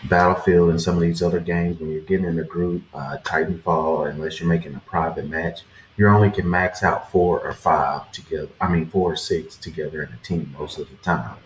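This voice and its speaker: Very low-voiced young guy, roomy far-off mic with light hiss, easygoing gaming talk. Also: steady tone, fairly quick. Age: 20s. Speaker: podcast co-host. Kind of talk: casual gaming chat. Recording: distant echoey mic with faint noise.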